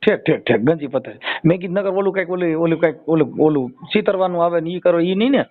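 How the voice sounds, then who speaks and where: Man, Saurashtra Gujarati accent, rapid casual questioner with a teasing streak, heard over a narrow phone line. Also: fairly high pitch, expressive. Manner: teasing, colloquial, repeats and rephrases answers. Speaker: host mediating a family dispute by phone. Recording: tinny, narrow phone-call audio.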